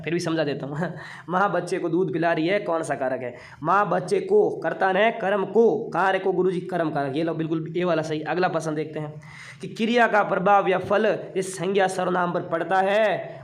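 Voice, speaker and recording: A man runs an online exam-prep class, chatty and teasing with his students. His voice sits a little high. He has been unwell. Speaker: teacher.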